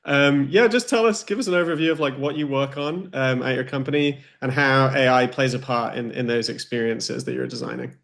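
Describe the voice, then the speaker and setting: A man's voice: mid-range voice, steady tone, fairly quick, vocal fry, hardly any pauses, fairly bright tone. A man moderating a livestream design panel over a video call, upbeat and friendly.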